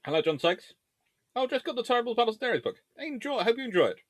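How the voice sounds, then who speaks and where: A man's voice: very high-pitched, big pitch swings, quick pace, dry recording, clean studio sound. A man hosting an informal history Q&A, talking in a discursive, emphatic way as he reasons through debates. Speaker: naval history video host. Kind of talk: informal explainer and viewer Q&A.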